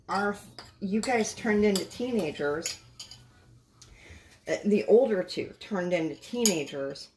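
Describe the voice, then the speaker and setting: A middle-aged woman hosting a casual home interview, relaxed and reflective, laughing often. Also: medium pitch, slight background noise. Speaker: host.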